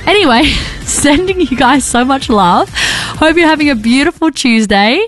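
Husky young Australian radio host woman. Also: high-pitched, expressive, measured pace, soft background music. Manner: chatty, rambling, enthusiastic. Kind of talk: casual on-air chat. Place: radio studio.

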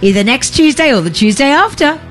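A chatty woman co-hosting a radio show, her pitch rising and falling a lot. She rambles and trips over her words in casual banter. Faint music plays beneath. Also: animated, brisk, a bit bright. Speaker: radio co-host.

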